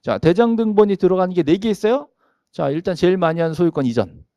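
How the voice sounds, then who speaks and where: A man's voice: sits high, lively intonation, fast, warm tone, no echo, clean studio sound. A middle-aged man giving a classroom lecture on property registration law, asking himself questions and chuckling often. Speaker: real estate law lecturer.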